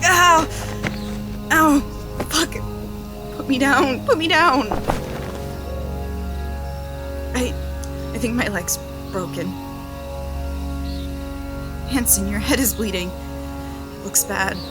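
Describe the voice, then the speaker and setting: A frightened, injured young woman in an audio drama. Her high voice moves slowly, halting and repeating words as she pleads. Music plays clearly underneath. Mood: pained, pleading. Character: frightened injured young woman trapped after a car crash. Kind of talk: naturalistic audio drama acting.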